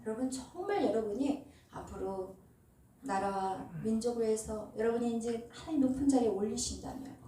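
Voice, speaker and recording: A woman pastor delivers an emphatic sermon in a high, mellow voice. She stands off-mic in a cavernous, echoing church, and a faint room hum sits underneath. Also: moderate pace. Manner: emphatic preaching with call-and-response. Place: church sanctuary. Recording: echoey hall, distant mic.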